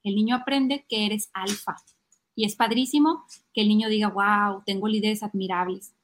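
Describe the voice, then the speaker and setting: A woman's voice: medium pitch, normal speed. A middle-aged woman giving parenting advice on a podcast, acting out little family scenes. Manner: lively, acts out child and parent voices. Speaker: podcast guest speaking on parenting.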